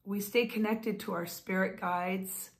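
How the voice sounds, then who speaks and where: A woman's voice: mid-range voice, fairly even intonation, measured pace, creaky. A woman in her fifties talking casually to camera at home, chatty and enthusiastic, gesturing with her hands as she talks. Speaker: vlogger and author. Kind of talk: casual talking-head vlog. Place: home room, indoors. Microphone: phone or webcam close up.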